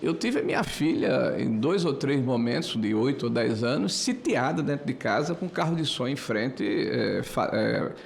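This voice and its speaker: A man in his sixties giving a committee floor speech, hesitant with many filler pauses, building to emphatic indignation. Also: mid-range voice, lively intonation, creaky. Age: 60s. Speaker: senator. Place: senate committee room.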